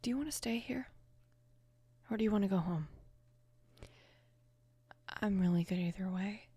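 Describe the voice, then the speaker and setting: A woman voicing a young mafia boss's daughter, gentle, protective and flustered, in a soft, hesitant near-whisper for an ASMR romance roleplay. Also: mid-range voice, normal speed, husky, dry recording, lightly acted. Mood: caring, shy.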